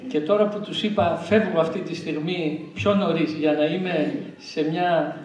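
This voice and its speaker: A man with a somewhat high voice offers a short, grateful tribute as a visiting guest, speaking straight to the honoree. The sound is heavily reverberant and distant, as if from across a large hall. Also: steady tone, highs cut off. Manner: warm and grateful, addressing the honoree directly. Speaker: guest speaker from another church. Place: hall at a church dinner gathering. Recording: echoey hall from far off.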